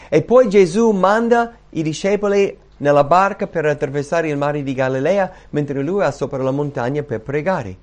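A man preaching, his fairly high voice swinging widely in pitch as he tells a Bible story with animated energy. He acts out the scenes and hammers home refrains by repeating them. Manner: repeats phrases for emphasis. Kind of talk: sermon.

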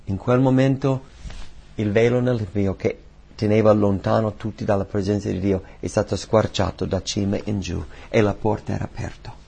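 A man preaching a sermon, emphatic and repeating key phrases, swinging between soft lines and loud ones. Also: lowish voice, fairly even intonation, moderate pace, vocal fry, slightly rough.

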